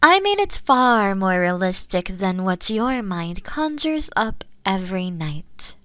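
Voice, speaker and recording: A gentle, ageless female spirit, played by a woman, speaks in a comforting audio roleplay. Her delivery is very slow and deliberate, with formal, soothing phrasing that softens into breathy near-whispers. The pitch sits in a middle female range, and the sound is dry and free of room echo. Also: very animated. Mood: calm, reassuring.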